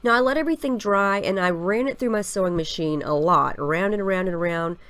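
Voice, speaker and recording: A woman's voice: mid-range voice, fast talker, dry recording. A woman in her thirties with a stuffy, scratchy voice from a head cold, chatting casually as she narrates a scrapbooking process. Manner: chatty, relaxed, explains each step with fillers. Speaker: scrapbooking video host.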